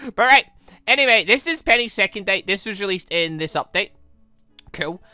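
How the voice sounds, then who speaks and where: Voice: mid-range voice, animated, moderate pace, sharp tone, smooth, no room sound, soft background music. A chatty let's-play host, rambling casually and correcting themself mid-thought. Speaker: host of a gaming channel.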